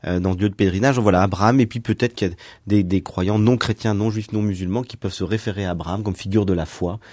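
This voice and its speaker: A man's voice: lowish voice, fairly even intonation, quick pace, a little mellow, no echo, studio quality. A man hosting a radio discussion, steering the conversation along in a conversational way. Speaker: host.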